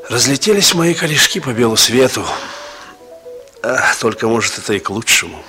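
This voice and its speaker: A young actor playing a rough, laconic young man with a hard past who talks in a colloquial, gently teasing way, in 1960s radio drama style. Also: mid-range voice, animated, moderate pace, soft background music. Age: young adult.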